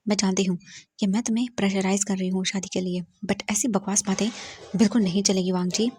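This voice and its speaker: A woman's voice: mid-range voice, fairly even intonation, brisk, a little mellow, slight background noise, close to an everyday voice. A woman voicing a stern middle-aged mother who scolds her son, in a storytelling reading. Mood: angry.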